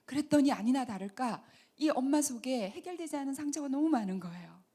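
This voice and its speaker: A middle-aged woman giving a Christian lecture on healing, talking earnestly and dropping to soft whispers for emphasis. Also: high-pitched, lively intonation, brisk, breathy edge. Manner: earnest, acts out mothers and children in quoted asides. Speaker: counseling center director giving a lecture.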